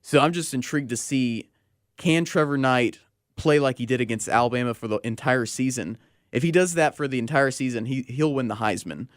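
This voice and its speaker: A man's voice: medium pitch, a little fast, no room sound. A young man with an American accent talks sports on the radio. He chats loosely and uses plenty of slang. His voice is recorded very dry, with hardly any room sound. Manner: slangy, conversational. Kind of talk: casual sports talk radio chat.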